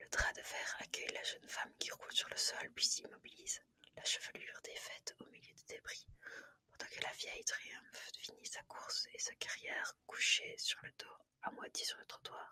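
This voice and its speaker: Whispering in a calm tone, the voice moves at a moderate pace. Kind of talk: whispered audiobook-style reading of a novel. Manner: whispered, soft, calm.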